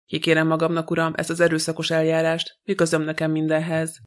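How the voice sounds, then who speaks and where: An indignant French lady protests in a shrill voice, as a male audiobook reader puts her on. The voice sits a little high. Its tone stays flat and even. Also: lightly acted. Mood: outraged. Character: indignant, frightened middle-aged French woman.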